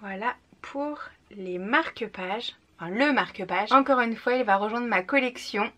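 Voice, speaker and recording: Young woman, native French speaker, casual unboxing vlogger, fairly high voice, chatty and enthusiastic with fillers. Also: normal speed, a bit bright. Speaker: book vlogger.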